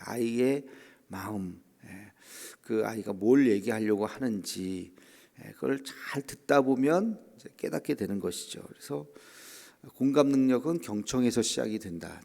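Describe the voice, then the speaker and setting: Gravelly-voiced pastor preaching in a reverberant church. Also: male voice, fairly low pitch, darkish tone. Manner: conversational preaching with frequent "예" and "에" fillers; acts out quoted voices of children and church members. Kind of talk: dawn prayer sermon. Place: church sanctuary. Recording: long hall reverb.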